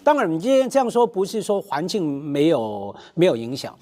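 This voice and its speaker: Man, round-table chat, expressive pitch, slightly high, measured.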